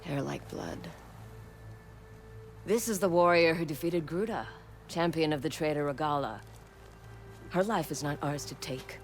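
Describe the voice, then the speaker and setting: A man playing a stern, proud tribal warrior in a video game, speaking in a formal, commanding way with a gravelly voice. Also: on the high side, expressive, unhurried, long pauses, soft background music. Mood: grim, warning. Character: stern, proud tribal warrior guarding his clan's border. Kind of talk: cinematic video game acting.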